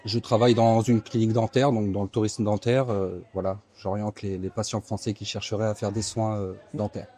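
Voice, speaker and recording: A man in his forties from France answers questions in a relaxed interview. His voice sits fairly low and sounds mellow and dark. He pauses often, restarting sentences and filling gaps as he thinks. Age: 40s. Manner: hesitant, many fillers and restarts. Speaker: interview guest. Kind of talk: casual interview talk.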